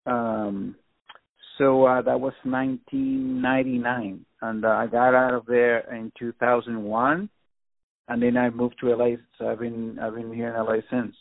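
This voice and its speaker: A man, answering interview questions in a relaxed, halting way. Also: mid-range voice, vocal fry, no room sound. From Venezuela. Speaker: film director guest. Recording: tinny dry phone line.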